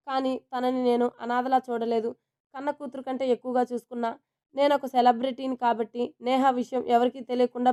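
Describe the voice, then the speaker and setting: A man's voice: extremely high pitch, dark tone, clean tone. A woman voicing Adi, an anguished young man. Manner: pleading and heated, confessional. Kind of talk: storybook reading.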